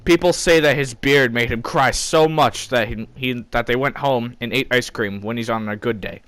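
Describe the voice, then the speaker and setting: A man works as an informal storyteller, narrating comedy in the first person. His pitch sits in the middle for a male voice. The recording is dry, with little room sound. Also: normal speed, fairly bright tone, smooth, dry recording.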